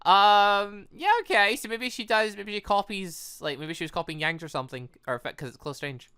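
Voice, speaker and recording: A video host giving casual, excitable, rambling commentary while playing a game. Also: mid-range voice, fairly quick, smooth. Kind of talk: casual let's play commentary.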